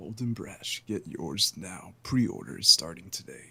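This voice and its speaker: Using a put-on character voice, a man speaks with a very deep, low pitch, lively intonation, and a fairly slow pace. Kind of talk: TV ad announcer voice. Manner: salesy, promotional.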